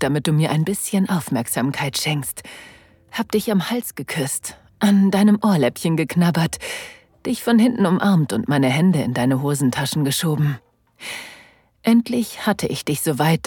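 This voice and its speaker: Woman doing a teasing girlfriend in an audio play, dry close mic, slow and low. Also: a little mellow, no echo, exaggerated voice. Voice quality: breathy, often whispered.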